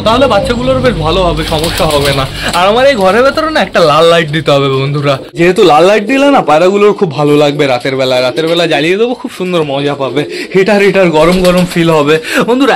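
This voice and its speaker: A man's voice: sits high, a bit bright. A man from West Bengal vlogging casually about his pigeons at his home loft, chatting to viewers and calling out to the birds. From West Bengal, India. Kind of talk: casual vlog narration.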